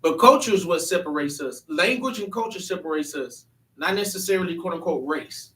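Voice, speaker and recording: Man host of a church panel, emphatic and earnest, a touch high, echoey and off-mic. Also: lively intonation, brisk, a bit bright. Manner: earnest, emphatic, often restarting sentences. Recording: echoey room, mic at a distance.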